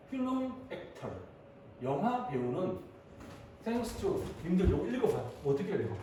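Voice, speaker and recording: A man in his thirties teaching high school English, chatting and joking with his students as he calls on them to read. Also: dark tone, recorded from a distance. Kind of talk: classroom lecture. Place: classroom. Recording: echoey room, voice off-mic, faint hiss.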